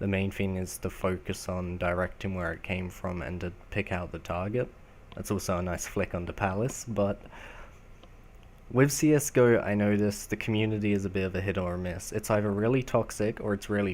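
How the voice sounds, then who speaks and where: At a fairly quick pace, a man talks in a fairly low pitch. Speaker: gaming commentator. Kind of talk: gameplay commentary. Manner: monotone; sleepy, low energy.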